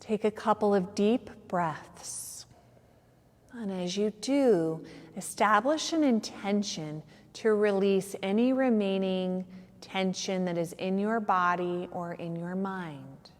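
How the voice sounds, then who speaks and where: A woman guiding a meditation as a yoga nidra teacher, soothing and unhurried, with long pauses between phrases. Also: mid-range voice. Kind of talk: guided meditation. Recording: long reverberant hall-like echo.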